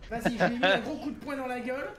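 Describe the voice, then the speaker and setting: A man giving excitable co-op gaming commentary, theatrical and mock-indignant. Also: extremely high pitch, racing, crowd noise. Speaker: let's play commentator. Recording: roomy, distant mic with loud noise.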